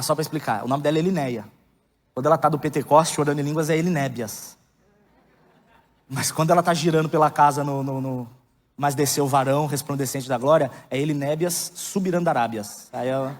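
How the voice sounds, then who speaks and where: A male preacher with a Brazilian Portuguese accent tells stories with humor, moving between loud preaching and soft asides. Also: fairly high pitch, a little fast, pauses often. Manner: animated, humorous storytelling. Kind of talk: sermon. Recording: long reverb of a hall.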